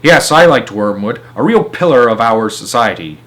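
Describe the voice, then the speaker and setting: A man voicing a loud, domineering middle-aged headmistress who barks and scoffs in a children's storybook reading. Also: mid-range voice, expressive, moderate pace, pitched below the performer's own voice, natural voice. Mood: blustering. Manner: barking, shouting, scornful. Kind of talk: children's storybook read-aloud.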